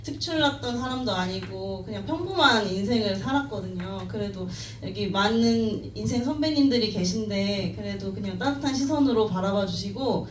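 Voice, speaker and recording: A woman's voice: mid-range voice, lively intonation, normal speed, few pauses. Woman in her 30s telling her life story at a team meeting, modest, laughs a lot, kinda far from the mic, faint hiss behind. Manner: modest, self-deprecating, laughs often. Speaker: team member giving a talk at a company meeting. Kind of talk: personal story talk to an audience. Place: meeting room. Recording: echoey room, distant mic, faint noise.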